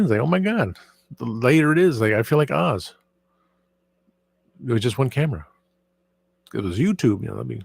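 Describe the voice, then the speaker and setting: A man's voice: medium pitch, vocal fry, darkish tone, no room sound. A man hosting his own channel in casual, rambling chat, often restarting sentences and trailing off into asides. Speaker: channel host.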